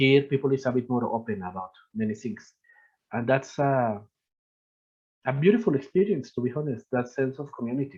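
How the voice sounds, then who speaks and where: Speaking at medium pitch, a man with a Spanish accent keeps a fairly quick pace. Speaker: artist and workshop teacher. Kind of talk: video call art talk. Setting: video call. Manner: hesitant, with repetitions and filler sounds.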